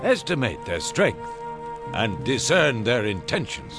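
An actor playing a proud older Native American chief in a radio drama, speaking in a solemn, deliberate and formal way. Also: male voice, medium pitch, wildly swooping pitch. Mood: stern, commanding. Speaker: narrator and chief. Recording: radio play with music underneath.

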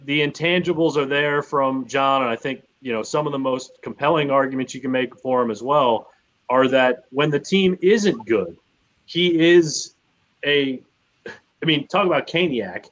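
A man's voice: mid-range voice, measured pace, a bit bright, low-quality recording. A man co-hosting a sports podcast in casual conversation, repeating phrases for emphasis.

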